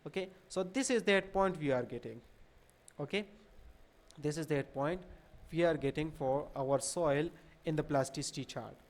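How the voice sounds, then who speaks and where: A man in his thirties with a South Asian accent giving an explanatory lecture, hesitant and repetitive, with frequent pauses. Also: fairly high pitch. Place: small indoor room at a desk.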